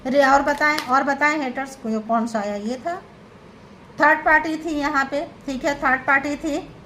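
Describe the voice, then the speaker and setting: Woman, tarot reader, high-pitched, dramatic, repetitive, direct address, faint background noise. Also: normal speed, a bit bright. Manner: dramatic, repetitive, talks straight to the viewer. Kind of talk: tarot reading to camera.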